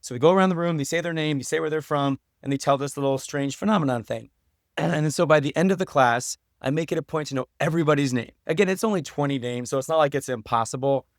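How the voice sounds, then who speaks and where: Podcast guest: middle-aged American man, chatty storyteller, very quick delivery, dry close sound. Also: on the high side, dry recording. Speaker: podcast guest, writer and professor. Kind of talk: casual podcast conversation.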